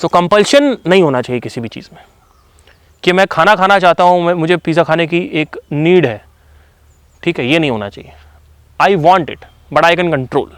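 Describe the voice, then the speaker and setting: A man's voice: fairly high pitch, lively intonation, normal speed, clear, resonant tone, no echo. A man giving a casual motivational talk, speaking conversationally with fillers and frequent switches into English phrases. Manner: conversational, fillers like "you know".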